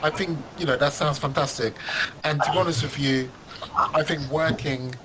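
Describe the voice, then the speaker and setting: A man interviewing a guest over a video call, repeating and restarting words while gently giving advice. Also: fairly high pitch, fairly even intonation, normal speed. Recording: loud background noise.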